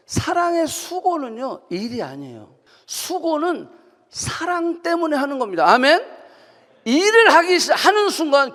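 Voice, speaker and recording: A woman pastor preaching a sermon in a high, lively voice. She asks her listeners question after question and raises her voice for emphasis. Her voice carries a long reverb from the church hall. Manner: animated preaching with rhetorical questions and emphatic outbursts. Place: church sanctuary.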